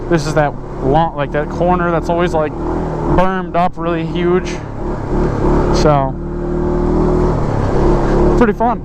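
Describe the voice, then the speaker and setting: A man's voice: on the high side, slow, pauses often. A man giving casual, off-the-cuff, slangy vlog commentary while driving an off-road vehicle outdoors. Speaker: off-road vlogger. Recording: loud engine and vehicle noise outdoors.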